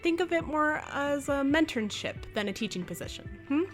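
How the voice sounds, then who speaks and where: Gracious, upbeat school head, higher-voiced. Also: female voice, expressive, normal speed, soft background music. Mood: encouraging. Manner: polite, formal, upbeat. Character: gracious, encouraging, persuasive woman running a small school. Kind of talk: audio drama acting.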